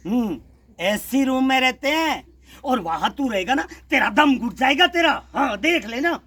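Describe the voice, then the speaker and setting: A man's voice: very high voice, measured pace. A man performing a theatrical monologue on stage, talking with feeling to a young sapling. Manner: emotional and animated, talks to a sapling.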